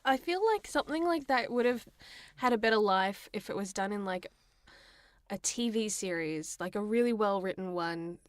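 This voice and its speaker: A woman's voice: mid-range voice, animated, normal speed, no room sound, clean studio sound. A woman co-hosting a podcast, giving her opinions in casual, emphatic conversation. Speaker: podcast co-host.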